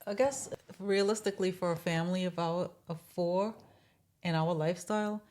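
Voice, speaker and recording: A woman's voice: fairly low pitch, normal speed, darkish tone, slight background noise. A woman co-hosting a casual health talk, agreeable and encouraging with practical tips. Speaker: health coach co-host.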